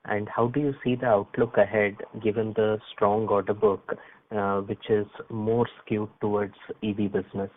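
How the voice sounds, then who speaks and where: Low, even-toned Indian analyst, phone line. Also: male voice, moderate pace. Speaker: financial analyst asking questions. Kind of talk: earnings call questions. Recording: phone-like conference call line.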